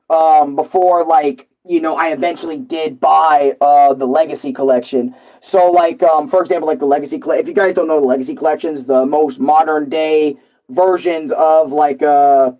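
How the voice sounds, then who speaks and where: High-voiced guy chatting casually on stream. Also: low-quality recording. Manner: slangy, excitable, repeats himself. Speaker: live streamer. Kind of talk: casual, rambling live stream chat about comics and games.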